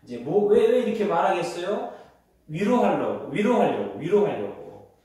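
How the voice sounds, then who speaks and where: A man leads a Bible study as pastor, with a fairly high voice that keeps turning statements into questions for his listeners. He slows right down when he reads scripture aloud. The sound is distant and washed in the heavy echo of a church sanctuary. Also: very animated, dark tone. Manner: teaching by quizzing the congregation and repeating answers; reads scripture aloud slowly together with the congregation. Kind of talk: Wednesday Bible study sermon. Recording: very echoey hall, mic far off.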